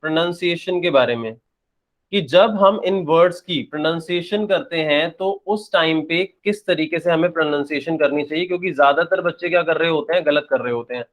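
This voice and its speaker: Speaking fairly quickly in a fairly high voice, a young man from India runs an English grammar class, and the recording's highs are cut off. He repeats points, poses questions he answers himself, and explains and checks as in a classroom.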